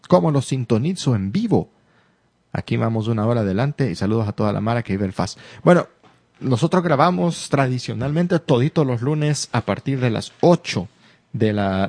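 A man's voice: mid-range voice, a little mellow, no echo. A man with a Salvadoran accent co-hosting a casual podcast, reading listener comments aloud and joking with English phrases mixed in. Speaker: podcast co-host.

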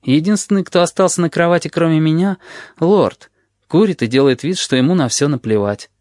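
A man's voice: a little high, brisk, a little mellow, no room sound, clean studio sound. A man narrating a novel in the first person, reading expressively. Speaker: audiobook reader.

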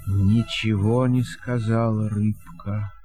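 A man narrating a verse fairy tale in a theatrical, measured storytelling manner. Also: on the low side, steady tone, mellow, slightly rough, dry recording, soft background music.

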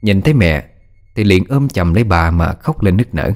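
A man reading a scripted horror story in a dramatic, expressive way. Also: deep voice, normal speed.

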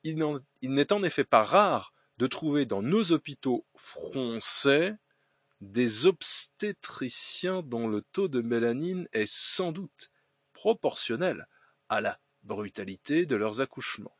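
Husky-voiced man reading letters aloud. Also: medium pitch, animated, slow pace, a bit bright, no room sound, studio quality. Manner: hesitant reading with fillers and restarts, ironic asides. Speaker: podcast host.

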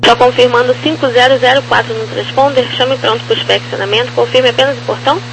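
A woman's voice: fairly high pitch, steady tone, fast, creaky. A Brazilian woman working as a ground air traffic controller, giving clipped procedural instructions over aviation radio. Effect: crackly aviation radio. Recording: noisy crackly aircraft radio channel.

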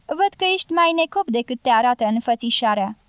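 A woman's voice: animated, clean tone, dry recording, natural voice. A woman doing a pushy tipsy gypsy man. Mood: urging. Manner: urgent low prodding, half-whispered. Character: wine-flushed male gypsy guerrilla, sly and insistent.

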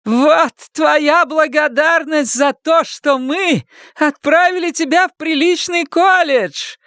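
A man voicing a furious, sarcastic middle-aged mother who screeches and yells. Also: very high-pitched, takes it slowly, dry recording, clean studio sound, pitched above the performer's own voice, heavily acted. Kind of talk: audiobook character reading.

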